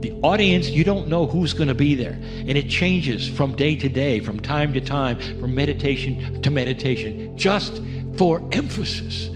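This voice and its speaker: A man leading a guided spiritual meditation, speaking gently and coaxing listeners along with many questions. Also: on the high side, lively intonation, moderate pace. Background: music.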